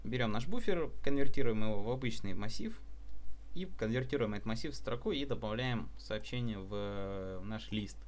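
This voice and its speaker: A man's voice: medium pitch, lively intonation, normal speed. A man recording an unscripted programming tutorial over a screen capture, explaining code step by step with frequent fillers and restarts.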